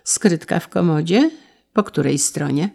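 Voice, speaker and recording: A woman voicing a stern male judge who questions a witness in a measured way. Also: low-pitched, creaky, a little mellow, heavily acted.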